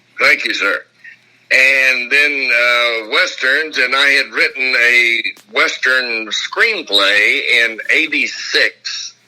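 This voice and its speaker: Despite noticeable background noise, a man speaks at a very slow pace with very even loudness. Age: 70s. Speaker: actor and novelist, former Marine. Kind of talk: interview. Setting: radio show. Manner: halting.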